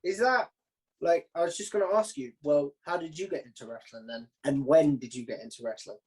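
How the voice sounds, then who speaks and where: A man's voice: on the high side, brisk. A man hosting a casual, informal interview, asking questions in a conversational way. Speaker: interviewer, host.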